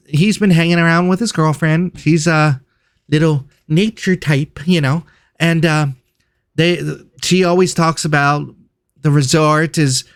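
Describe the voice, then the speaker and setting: A man's voice: on the high side, smooth, no room sound, clean studio sound, lightly acted. A man voicing a chatty clawed creature who works hard at a resort, in a hesitant, gossipy, rambling manner for a tabletop game. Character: chatty clawed cave-loving resort worker, friendly and overworked.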